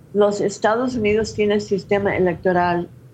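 With an ordinary speaking voice, a woman talks in a medium pitch at a fairly slow pace. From New Mexico, US. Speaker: presidential candidate and socialist activist. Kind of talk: interview.

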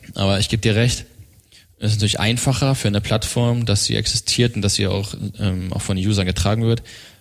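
Very fast, fairly even speech from a man with a fairly low pitch. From Hannover, northern Germany. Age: 30s. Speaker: startup co-founder. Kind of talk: interview.

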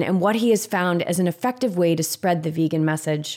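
A woman with a plain, everyday voice and an American accent, fairly low in pitch, at a fairly quick pace, with ordinary pitch variation. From Cape Cod, Massachusetts. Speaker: podcast host. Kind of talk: casual interview; scripted narration.

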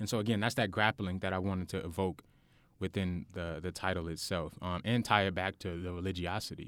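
Speaking fairly quickly with an American accent, a man with a very deep, low pitch keeps fairly even intonation in a very clean recording with a silent background. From Milwaukee, Wisconsin, US. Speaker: poet. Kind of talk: casual interview. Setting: radio studio.

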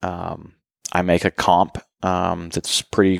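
Flat, monotone speech comes through a very clean recording with a silent background and a dry, close sound without echo. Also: man. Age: 50s. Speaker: engineer and shooting gear maker. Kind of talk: interview.

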